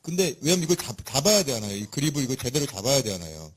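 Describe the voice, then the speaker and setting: A man preaching a sermon in a lively, conversational and humorous way, with a husky voice. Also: medium pitch, racing.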